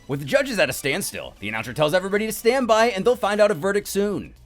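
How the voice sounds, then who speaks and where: A high-pitched man narrates an action comic recap from a script. His delivery is very lively, swinging up and down as he tells the story over music. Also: quick pace.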